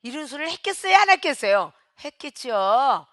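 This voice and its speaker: A woman pastor preaching a sermon with emphasis, swinging between shouts and hushed, quiet lines and calling out to the congregation. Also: high voice, big pitch swings, a little fast, no echo, clean studio sound.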